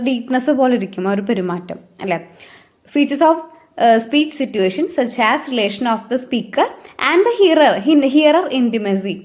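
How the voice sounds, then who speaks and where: Woman tutor, Malayali accent, somewhat high voice; casual voice-over lesson, repeats herself and checks in with listeners. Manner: conversational, repeats and restates points, asks rhetorical checks. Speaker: exam tutor.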